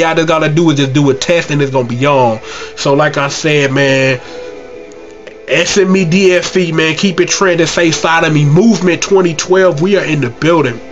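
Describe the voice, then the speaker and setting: A man's voice: fairly high pitch, a bit bright, dull audio. A congested man hosting his own gaming channel, talking casually in a brash, trash-talking, slangy way. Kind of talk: casual gaming vlog outro.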